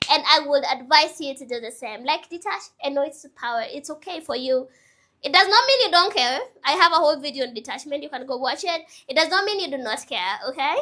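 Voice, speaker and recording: Bright-voiced, high young woman coaching. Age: 20s. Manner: earnest, coaching, repeats advice, chatty asides. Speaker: motivational vlogger. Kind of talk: casual motivational talk to camera.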